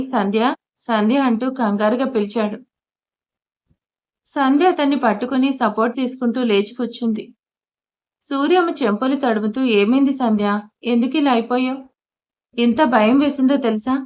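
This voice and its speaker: Woman storyteller, higher voice, scripted audio-story narration, muffled lo-fi sound. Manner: reads dialogue of all characters in her narrating voice. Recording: dull lo-fi audio.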